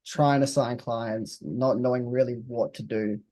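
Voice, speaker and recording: A young man of about twenty chats in a relaxed, blunt way, swearing now and then. His voice is mellow and warm, and the recording sounds dry and close. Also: mid-range voice, measured pace, dry recording. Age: 20s. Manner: laid-back, blunt, swears casually. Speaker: interviewed client. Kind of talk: casual interview chat.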